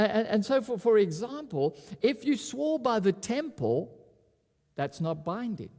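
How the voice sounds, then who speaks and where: A man preaching a sermon at a pulpit microphone, animated and often repeating words as he restarts. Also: high-pitched, big-room sound. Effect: speaking at a pulpit microphone. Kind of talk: expository sermon.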